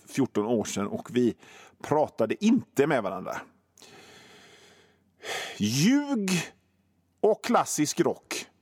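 A man's voice: mid-range voice, dry recording, studio quality. A middle-aged man hosting a radio show, telling absurd made-up stories with swearing and big swings in his delivery. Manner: absurd tall tales told with lively swings and swearing. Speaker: radio host. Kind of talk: comic storytelling on radio.

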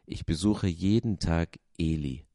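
A man's voice: low-pitched, measured pace, warm tone, no room sound, studio quality. A man voicing a cheerful wooden puppet girl who talks lightly and carefree.

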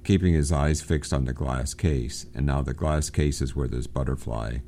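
Man, very deep voice, mellow tone, literature lecture, unhurried, lots of fillers and restarts. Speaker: literature teacher. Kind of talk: recorded lecture program.

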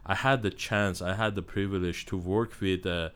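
A man with an Armenian-Iranian accent speaks in a very low, smooth, resonant voice. He talks as a guest in conversation, often pausing and restarting as he looks for the right English words. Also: steady tone, a bit bright. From Iran. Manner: halting, searching for words. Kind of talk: casual conversation.

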